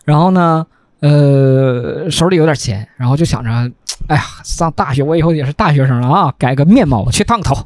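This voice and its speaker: A man's voice: on the high side, brisk, no echo, studio quality. A young man, co-hosting a podcast and telling stories in a slangy, joking way. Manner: animated storyteller, slangy and joking. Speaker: podcast co-host. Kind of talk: casual chat.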